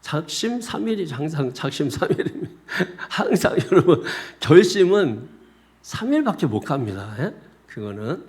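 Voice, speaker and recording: Lively, animated male pastor preaching. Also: a little high, moderate pace. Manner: animated storyteller, often addressing the congregation directly. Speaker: senior pastor. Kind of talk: sermon with personal storytelling. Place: church sanctuary.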